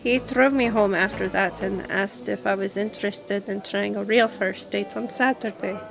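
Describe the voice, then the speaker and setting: A woman playing a Latina lawyer in an audio roleplay, telling of her past love with deliberate pauses. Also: medium pitch, steady tone, creaky, music in the background, natural voice, low-quality recording. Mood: fond, nostalgic. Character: warm Latina lawyer reminiscing over drinks about past love. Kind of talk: scripted conversational audio roleplay.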